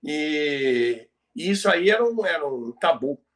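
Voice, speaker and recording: A man with a Brazilian accent and a slightly high voice presents a podcast in a conversational storytelling style. He explains emphatically and repeats key phrases to make his point. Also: lively intonation, a little slow. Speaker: podcast presenter on radio history. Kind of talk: conversational storytelling about radio history.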